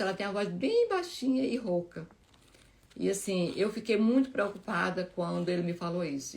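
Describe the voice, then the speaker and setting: A woman giving a heartfelt, informal devotional talk as host of a live Bible reading, halting often with restarts and fillers. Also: on the low side, vocal fry.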